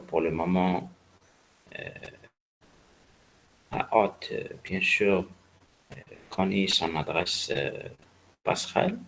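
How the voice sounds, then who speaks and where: A man lecturing on a technical subject in a halting, didactic way, repeating key points for emphasis. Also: deep voice, creaky, fairly bright tone, a little hiss or hum, rough recording. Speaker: networking lecturer. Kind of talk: spoken university lecture.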